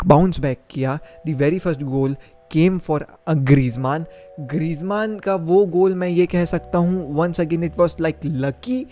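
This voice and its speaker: A man's voice: a little high, mellow. A young man gives a casual, opinionated football match review, talking in a chatty and emphatic way.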